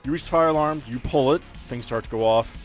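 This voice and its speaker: A man runs a tabletop roleplaying game as its game master. His voice sits at a middle pitch, and he narrates the action and rulings with music playing behind him. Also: quick pace.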